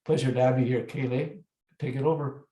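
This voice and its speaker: A man's voice: mid-range voice, steady tone, a little fast, mellow. Polite male moderator in an echoey room. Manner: polite and encouraging. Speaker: webinar moderator. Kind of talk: moderating a webinar.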